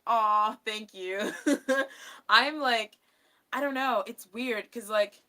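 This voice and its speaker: Livestream host: young American woman, bright edgy tone, informal and rambling, chatting with viewers. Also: a little high, slow. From California, USA. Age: young adult. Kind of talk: casual live stream chat. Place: small decorated bedroom, indoors.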